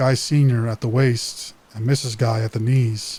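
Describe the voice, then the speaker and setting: Soft-spoken and monotone, a man talks at a medium pitch with flat intonation. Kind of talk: true crime sleep narration.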